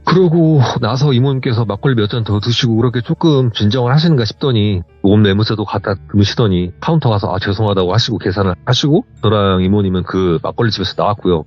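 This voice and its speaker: Husky man telling a horror story. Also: lowish voice, fast, few pauses. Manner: lively, acts out dialogue. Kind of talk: casual spoken horror storytelling. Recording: dull lo-fi audio, faint music.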